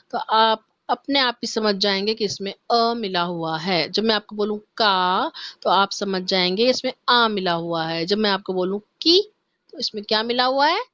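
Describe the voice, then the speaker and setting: A woman's voice: medium pitch, a bit bright, no room sound. A woman teaching a Sanskrit class to young pupils online. She talks patiently and spells out each syllable. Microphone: online class recording. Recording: dull, dry lo-fi sound.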